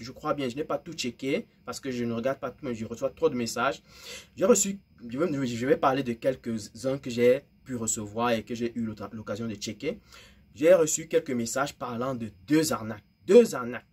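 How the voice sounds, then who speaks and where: Husky guy hosting a trading channel, animated, talks straight to his viewers. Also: fairly high pitch. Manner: animated, exclaiming, with many "n'est-ce pas" and "vous voyez". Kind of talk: direct-to-camera talk.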